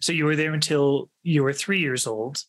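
A man's voice: on the high side, moderate pace, fairly bright tone, a little hiss or hum. A man from California hosting a podcast, asking friendly questions with stammering restarts and lots of fillers. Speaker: podcast host. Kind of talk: casual interview chat.

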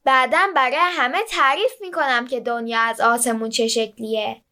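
A woman's voice: on the high side, fairly even intonation, bright, forceful tone. A woman voicing a curious young girl in a children's story who talks to herself. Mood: wondering. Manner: talking to herself, wide-eyed.

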